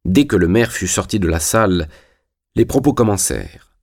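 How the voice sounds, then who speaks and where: A man reading a classic novel aloud in measured, scripted narration. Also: low voice, animated, a little mellow. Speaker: audiobook reader.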